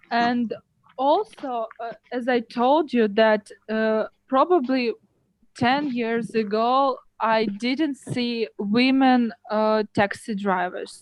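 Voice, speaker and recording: A woman speaks with a high pitch. Her pace is very slow. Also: ordinary pitch variation. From Belarus. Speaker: English learner. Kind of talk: online class discussion. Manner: halting, many fillers.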